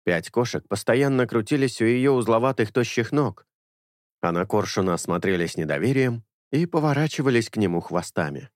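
A man narrating an audiobook in a measured storytelling manner. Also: medium pitch, animated, no echo, clean studio sound.

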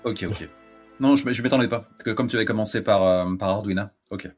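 A man's voice: fairly low pitch, fairly quick, darkish tone, slightly rough, faint music behind. A man playing a tabletop role-playing game, chatting casually and slipping into his character's lines.

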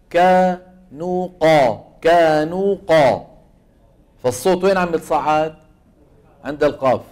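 Higher-voiced Levantine man teaching recitation. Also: a little mellow. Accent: Levantine Arabic. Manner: asks students questions and answers them himself; repeats sounds aloud to demonstrate them. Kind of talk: classroom lecture on tajweed.

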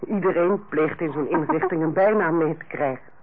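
An actress playing a proud, stern senior nurse with a dry, self-assured manner in a radio drama. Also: female voice, low voice, moderate pace. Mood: proud, wry. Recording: muffled, narrow old radio recording.

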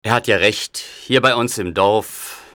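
Man doing a deep gruff village father. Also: slow pace, fairly bright tone, no echo, clean studio sound. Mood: resigned. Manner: gruff, scolding. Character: stern angry village father, middle-aged man. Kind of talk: audiobook story voice.

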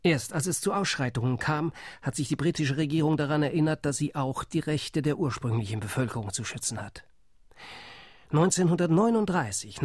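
A bitter, defiant Arab delegate, played by a man in a radio play. The voice is husky and breathy, recorded close and dry. He argues in a measured, steady manner. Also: on the high side, dry recording, lightly acted. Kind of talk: radio drama monologue.

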